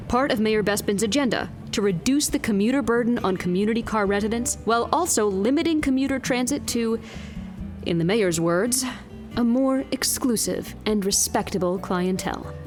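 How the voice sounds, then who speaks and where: A woman playing a wry, exasperated field news reporter in an audio drama, speaking in a crisp, pointed broadcast style. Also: a little high, moderate pace, faint music behind, close to an everyday voice. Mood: brisk, pointed.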